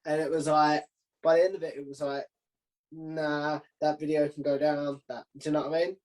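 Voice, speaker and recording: Higher-voiced man hosting a casual interview. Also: little pitch movement, normal speed, a little mellow, poor audio. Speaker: interviewer, video channel host.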